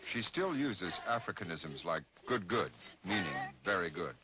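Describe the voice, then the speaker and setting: A man's voice: deep voice, big pitch swings, normal speed. A man reading scripted documentary narration as the narrator. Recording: old documentary tape, heavy background noise.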